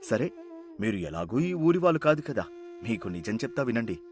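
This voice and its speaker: A man's voice: medium pitch, big pitch swings, moderate pace, faint music behind, lightly acted. A man voicing a kindhearted, earnest village thief in an acted moral story. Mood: earnest confession. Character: kindhearted village thief, orphaned, plain-spoken and caring. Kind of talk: story voice acting.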